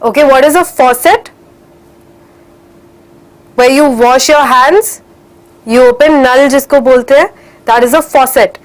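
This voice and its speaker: A woman's voice: sits high, moderate pace, pauses often. A young woman teaching an online English class for children in Indian English, encouraging and slipping in Hindi phrases, a little stuffy from a cold.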